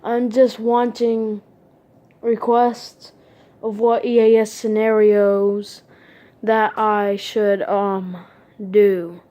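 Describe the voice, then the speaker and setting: A woman talking casually to viewers as a video creator, in a halting way, listing things one by one. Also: mid-range voice, level tone, dark tone. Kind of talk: casual unscripted vlog talk.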